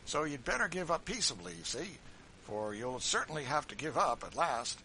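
A man's voice: mid-range voice, sing-song, normal speed, pushed and bright, slight background noise, voice pushed up, low-quality recording. A man reading an audiobook, voicing a short, puffy, pompous constable with a patronizing manner.

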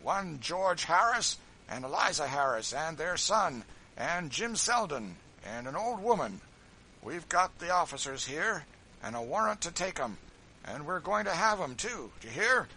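A man reading an audiobook, voicing a coarse, bullying male slave catcher with loud, rough rustic speech. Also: on the high side, big pitch swings, a little slow, a little hiss or hum, pitched above the performer's own voice, full character voice, low-quality recording.

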